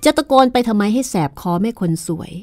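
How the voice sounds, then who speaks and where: A woman's voice: brisk, warm tone, no room sound, soft background music, natural voice. A woman voicing a smug, lecherous young man who taunts and leers, in a read-aloud horror novel. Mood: leering, taunting. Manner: taunting, leering.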